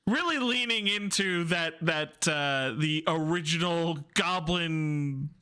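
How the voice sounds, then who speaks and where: Slow, bright-voiced man chatting on stream. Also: a little high, smooth. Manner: hesitant, filler-heavy, self-deprecating laughs. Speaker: streamer and game developer. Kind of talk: casual live-stream chat.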